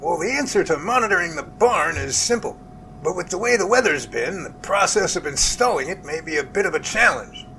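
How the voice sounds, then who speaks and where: Bright, animated, high-pitched folksy professor, acted by a man. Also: a little fast, a little hiss or hum, low-quality recording. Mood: concerned, intrigued. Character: male research professor, folksy, jovial, earnest, easily intrigued. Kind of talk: amateur audio drama dialogue.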